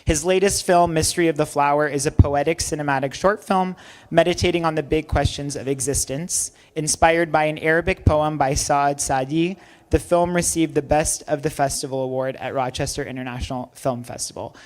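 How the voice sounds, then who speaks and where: A man's voice: fairly high pitch, fairly even intonation, fairly quick. A man hosting an event, reading a formal introduction and then interviewing the guest.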